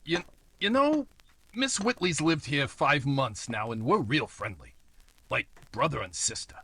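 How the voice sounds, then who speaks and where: Guy doing slimy nosy landlord in a noir radio play, raspy, fake chummy, voice swings all over, tough slang. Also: mid-range voice, sing-song, measured pace, sharp tone, full character voice. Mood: prying, falsely friendly. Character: nosy, slimy, scheming male apartment house manager. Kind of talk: old-time radio noir acting.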